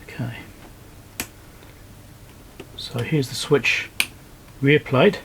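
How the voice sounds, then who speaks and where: A man with a medium-pitched voice talks through hands-on repair work in a casual, low-key way. He thinks aloud one step at a time, as the host of an electronics repair video. There is noticeable background noise and workshop ambience behind him. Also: very slow, gravelly, a bit bright. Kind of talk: casual hands-on commentary while working. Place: indoor repair workbench.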